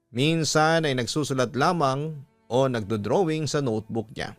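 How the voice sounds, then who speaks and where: This man's mid-range voice, recorded dry, carries a Filipino accent as he reads out a listener's letter in the manner of a radio host. It's scripted dramatic narration set over a bed of music.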